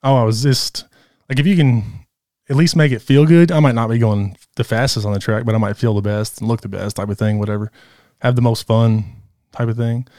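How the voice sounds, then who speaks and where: A man in his thirties, a guest in a casual interview, talking in a relaxed, candid way. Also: mid-range voice, fairly quick, no echo, clean studio sound. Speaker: guest rider.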